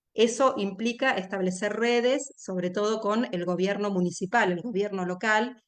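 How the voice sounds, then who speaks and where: Her medium pitch and fairly even intonation come at a moderate pace. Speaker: education researcher. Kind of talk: academic presentation. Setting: video call. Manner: hesitant, many fillers.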